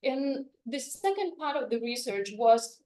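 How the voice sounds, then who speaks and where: A Lithuanian woman teaches languages and gives an informal conference presentation on a microphone. Her voice sits a little high, and she talks chattily with frequent "you know" fillers. The conference room adds a noticeable echo. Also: animated, measured pace, darkish tone. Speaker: conference speaker, language educator.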